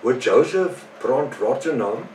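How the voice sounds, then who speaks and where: A man's voice: medium pitch, animated, a little slow, darkish tone. Man preaching on a distant roomy mic. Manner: reads verses aloud and spells out words letter by letter; earnest, repeats himself with restarts. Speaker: preacher and teacher. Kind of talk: bible teaching talk. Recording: roomy sound from a distant mic with faint background noise.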